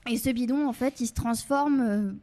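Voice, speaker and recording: A woman's voice: a little high, normal speed, dark tone. A woman from the Pyrenees chatting as a radio guest, laughing often and filling with hesitations. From Pyrenees, southern France. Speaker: theatre guest. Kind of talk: casual radio chat.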